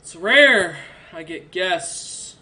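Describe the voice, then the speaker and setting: A man voicing a massive male red orc emperor who speaks calmly and matter-of-factly, even about threats. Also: high voice, extremely slow, heavily acted. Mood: curious. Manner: calm, dry, matter-of-fact threats.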